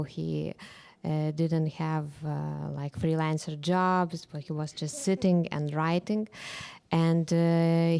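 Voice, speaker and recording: A woman's voice: on the low side, warm tone, clean tone. A woman literary researcher, speaking hesitantly on a discussion panel with many fillers.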